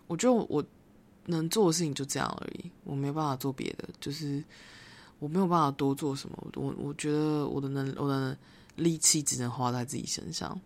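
A young woman with a Taiwanese Mandarin accent hosts a casual solo podcast in a low, fairly quick, creaky voice. She talks in a reflective, rambling way and slips into English phrases now and then.

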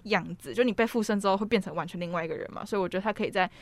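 A woman with a Taiwanese Mandarin accent hosting a casual chat, retelling scenes in an excited, gushing way. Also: medium pitch, rapid-fire. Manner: excited, gushing storyteller, laughs often. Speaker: host.

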